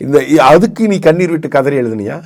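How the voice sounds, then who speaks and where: Male political pundit, fairly high voice, hammers rhetorical questions in a heated debate. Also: expressive, fairly quick, darkish tone. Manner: combative, repeats rhetorical questions, frequent self-restarts. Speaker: political commentator.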